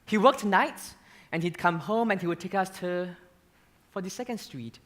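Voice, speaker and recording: A young man acting a stage monologue as a gay male dancer who haltingly confesses his painful past in a theater. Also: high-pitched, fairly bright tone. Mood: hesitant. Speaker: student actor in a stage musical.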